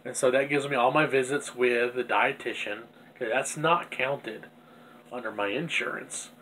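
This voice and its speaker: A man of middle pitch speaks with a stuffy, congested nose, rambling through a personal video diary. His talk is candid and self-critical, full of restarts. A faint hum sits behind him. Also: fairly even intonation, normal speed, pushed and bright. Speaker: vlogger.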